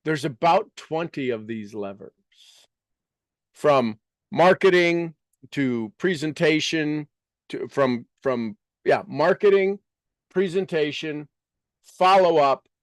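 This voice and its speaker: With deliberate pauses, rhetorical questions, and emphatic repetition, a man gives a business coach's motivational talk. His pitch is on the high side, and the recording is dry.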